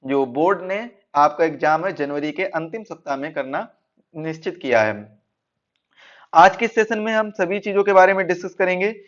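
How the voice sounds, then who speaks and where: A man's voice: a little high, moderate pace. A man giving an explanatory online exam-prep lecture, repeating and rephrasing his points as he goes. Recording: dull, lo-fi band-limited audio.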